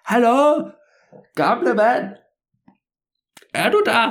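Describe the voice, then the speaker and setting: A man's voice: mid-range voice, big pitch swings, darkish tone, voice pushed up, lightly acted. A man voicing a nervous teenage boy who stammers and whines when he gets lost. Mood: shouting. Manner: hesitant, stammering, whiny.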